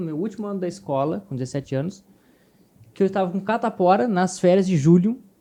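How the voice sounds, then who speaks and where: Talking at a fairly quick pace with a southern Brazilian accent, a man has a high pitch, a dark, mellow tone and ordinary pitch variation. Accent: gaúcho Brazilian Portuguese. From southern Brazil, Guaíba near Porto Alegre. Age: 20s. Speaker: photographer and filmmaker. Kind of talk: podcast interview.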